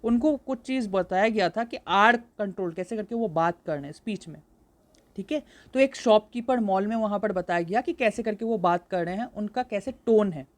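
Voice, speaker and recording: Young woman tutor, medium pitch, walks students through exam answers in a slow lecture. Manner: explains slowly, mixing English terms, with frequent fillers.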